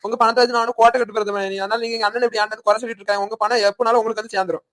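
A man voicing an idle village husband in debt, talking fast and defensively with a Tirunelveli Tamil accent, in an animated cartoon. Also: high-pitched.

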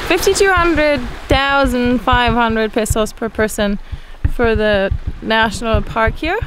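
A woman's voice: fairly high pitch, a little slow, fairly bright tone. A woman in her thirties giving casual travel narration as a vlog host. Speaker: sailing vlogger and host. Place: outdoors on a tropical shore. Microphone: handheld camera at arm's length. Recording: noisy outdoor recording with water and engine.

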